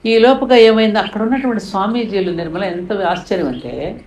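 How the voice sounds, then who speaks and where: A woman's voice: mid-range voice, a little fast, a little mellow, echoey room, slight background noise, poor audio. An older woman from India, telling a story in an interview with a passionate, emphatic manner. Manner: impassioned, rising to emphatic peaks. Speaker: guest speaker.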